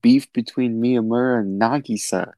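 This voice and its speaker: A man's voice: medium pitch, normal speed, warm tone, no room sound. A man in casual podcast banter, talking in slang and egging his friends on. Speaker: podcast co-host.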